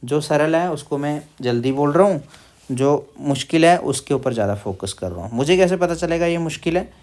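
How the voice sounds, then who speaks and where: A man's voice: on the high side, animated, darkish tone. A man teaching recitation step by step, drawing out syllables and repeating them as he asks questions. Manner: drills pronunciation, repeating syllables slowly and asking questions; chants verses in slow drawn-out syllables. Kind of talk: slow step-by-step recitation lesson.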